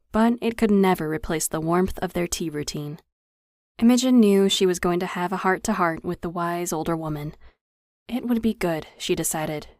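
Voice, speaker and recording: A woman narrating a novel at a measured, even storytelling pace, her voice pitched on the low side. The recording sits close to the mic and is completely dry, with no room sound. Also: dry recording. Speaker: audiobook narrator. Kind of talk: scripted narration.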